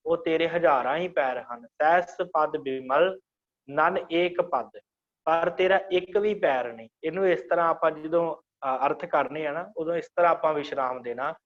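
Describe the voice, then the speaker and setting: A man with a slightly high voice leads a scripture lesson. He chants each verse line slowly, then patiently breaks it down word by word. The audio is dull and lo-fi, like an online class. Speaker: scripture teacher.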